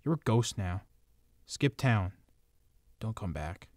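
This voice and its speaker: An actor playing a tense, weary young hitman in an amateur radio drama, moving between hushed talk and shouting. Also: fairly low pitch, very animated, takes it slowly, no room sound, clean studio sound. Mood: grim.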